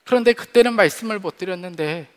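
A pastor in his forties preaching an earnest, heartfelt sermon from a church stage, speaking into a headset mic, often letting his phrases fall soft at the ends. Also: high-pitched, fast talker, clear, resonant tone. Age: 40s. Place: church stage behind a podium. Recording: long hall reverb.

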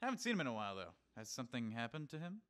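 A man's voice: mid-range voice, big pitch swings, very fast, close to an everyday voice. A man playing a shifty driver in casual audio drama dialogue, offhand and evasive. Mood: sheepish, offhand. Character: shifty male driver hooked on police broadcasts.

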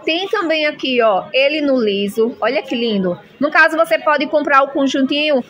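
Her voice is high-pitched, expressive and fairly bright, at a normal pace. The Brazilian woman records a shopping vlog on a handheld phone, chattily gushing over clothes in a store and constantly saying "minha gente" as she enthusiastically shows off products.

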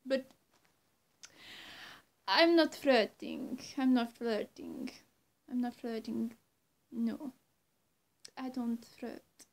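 Woman playing a high-voiced, coy female vampire. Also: gravelly, heavily acted. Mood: flustered. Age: young adult. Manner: coy, halting, cooing endearments. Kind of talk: ASMR-style roleplay addressed to the viewer. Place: small indoor room, seated on a bed. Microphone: camera or phone at arm's length.

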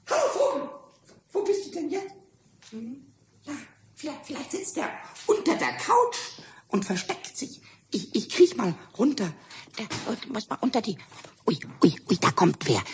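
A man voicing a small, cheeky, impulsive kobold in a children's radio play, squeaky and stammering with repeated words. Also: exaggerated voice. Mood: eager. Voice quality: squeaky, high-pitched. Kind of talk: 1970s German children's radio play acting. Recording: noisy old vinyl radio-play recording.

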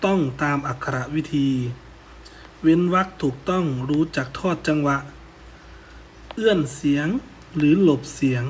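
A man's voice: on the high side, a little hiss or hum. A man teaching a worksheet answer lesson, politely ending his phrases, and reciting a poem in a lilting chant. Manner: polite, ends phrases with "ครับผม".

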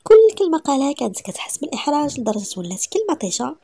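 A woman with a Moroccan accent telling a romance story in a whispered role-play, intimate and rapid. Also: sits high, big pitch swings, gravelly, dark tone, no echo.

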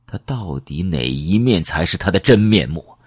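A man's voice: sits low, lively intonation, moderate pace, breathy edge, dry recording, clean studio sound. A man narrating a first-person audiobook with dramatic storytelling.

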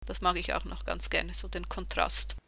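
Bright-voiced podcaster in their thirties. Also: medium pitch, flat delivery, normal speed, creaky, no room sound. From Switzerland. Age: 30s. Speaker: podcast co-host. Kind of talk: casual podcast chat.

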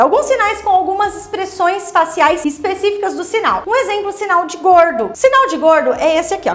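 A woman's voice: high-pitched, roomy sound. A woman teaching sign language in a video lesson, explaining step by step and speaking straight to the viewer.

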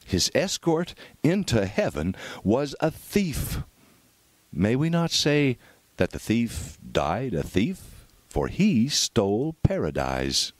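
A man's voice: mid-range voice, wildly swooping pitch, slow, dry recording. A man reading a devotional sermon aloud in a solemn, dramatic, oratorical manner. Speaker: reader of a devotional book.

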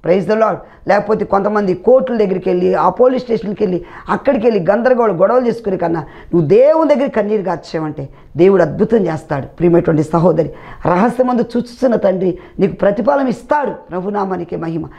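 A man's voice: high-pitched, quick pace, gravelly, darkish tone, muffled recording. A man preaching a televised sermon with fervour, often crying out hallelujah and praise the Lord.

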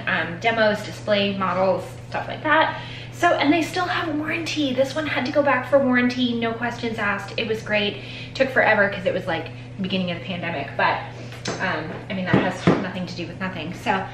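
A fairly high, fairly bright female voice belongs to a woman in her forties who vlogs casually from her home nail studio full of polish shelves, rambling and joking at her own expense. The low-quality recording has an echoey room sound and slight background noise.

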